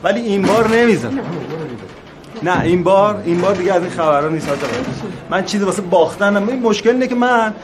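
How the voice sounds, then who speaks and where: An actor playing a desperate, hot-tempered working-class husband in a film drama, shouting and pleading. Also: male voice, sits high, lightly acted. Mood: bitter.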